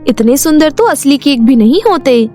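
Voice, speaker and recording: Woman voicing a very high-pitched earnest young girl. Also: expressive, normal speed, mellow. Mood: curious, polite. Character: helpful, polite, clever young girl. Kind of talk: animated Hindi moral story acting. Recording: music behind the voice.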